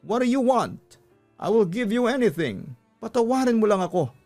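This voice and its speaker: A man voicing an apologetic cheating husband who begs in a pleading, drawn-out way, in a story drama. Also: high voice, big pitch swings, darkish tone, soft background music, pitched above the performer's own voice. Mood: desperate, begging. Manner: pleading, drawn-out English phrases mixed with Tagalog. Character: desperate, apologetic cheating husband begging forgiveness.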